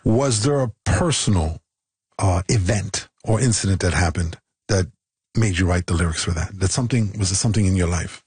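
A male host leads an interview in a low, very husky voice. He often completes the guest's thoughts for him. The recording is dry and close. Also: fairly quick, darkish tone, no room sound. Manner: leading, fills in the guest's thoughts. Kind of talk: interview conversation.

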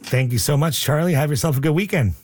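A man hosting a radio call-in show, upbeat and joking, reading out the phone number slowly. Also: fairly high pitch, darkish tone. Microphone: studio microphone.

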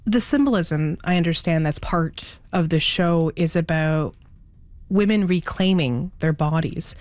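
A woman hosting a news radio show from a studio, giving steady, clear introductions. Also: deep voice, unhurried, dry recording. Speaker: radio host.

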